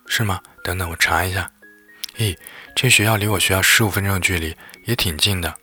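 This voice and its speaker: A man voicing a calm, strict young man who speaks slowly and softly, with a husky tone. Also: low-pitched, soft background music, full character voice. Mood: soothing. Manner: slow, measured, soft.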